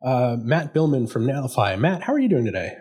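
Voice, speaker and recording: A man's voice: mid-range voice, big pitch swings, fairly quick, darkish tone, slightly rough. A man hosting a tech podcast, introducing his guest with plenty of fillers. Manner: friendly, many "uh" and "um" fillers. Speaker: podcast host.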